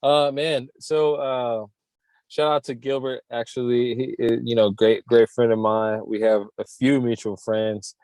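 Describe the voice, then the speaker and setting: A man's voice: mid-range voice, level tone, a little mellow, smooth, no echo. Musician guy chatting, earnest, keeps restarting his sentences. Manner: earnest, halting, many restarts. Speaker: worship musician. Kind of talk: casual interview.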